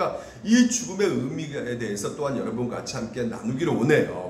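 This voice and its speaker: A man at a fairly quick pace with very wide pitch swings, audible room echo and noticeable background noise. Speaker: pastor. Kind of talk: sermon. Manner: fast.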